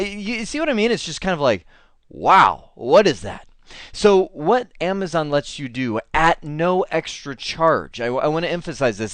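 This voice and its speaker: A male IT instructor talks through a tech lesson in a loose, rambling way, full of fillers and false starts. His pitch swings widely as he explains. The sound is dry and close, with no room around it. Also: dry recording. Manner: animated, rambling, frequent fillers and restarts.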